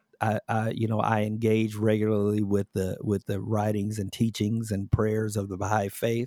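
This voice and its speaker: In a Tennessee accent, a man with a fairly low pitch and a dark, mellow tone speaks in a monotone, flat intonation, with a dry, close sound and no echo. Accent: Southern US (Tennessee). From US South, rural southeast Tennessee. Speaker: musician and anti-racism educator. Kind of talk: casual interview.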